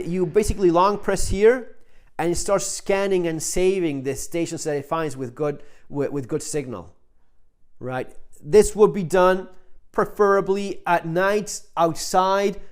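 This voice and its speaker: A man's voice: a little high, clear, resonant tone. A man giving an unscripted, casual product review, rambling and cutting himself off with emphatic asides. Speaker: product reviewer, channel host.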